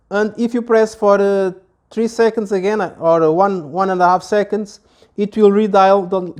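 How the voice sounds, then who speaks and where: High-pitched man. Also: darkish tone, clean tone. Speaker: product reviewer. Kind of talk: casual product demonstration. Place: small office, indoors.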